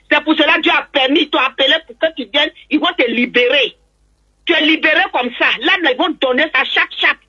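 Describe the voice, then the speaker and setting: A woman's voice: high voice, bright, forceful tone, husky, muffled recording. A woman calling in to a talk show, recounting a personal story and acting out both sides of a conversation. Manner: acts out both sides of a dialogue. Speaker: caller.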